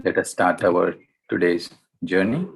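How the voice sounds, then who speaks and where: Male meditation guide, slow and gentle, with a low voice and deliberate pauses. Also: creaky, breathy edge. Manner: gentle, deliberate, short phrases with long pauses.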